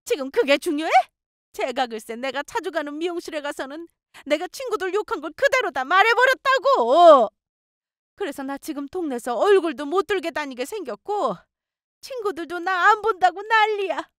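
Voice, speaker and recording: A woman voicing a bossy, spiteful older mother-in-law who yells and scolds in a shrill voice. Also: animated, normal speed, dry recording, studio quality. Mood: furious.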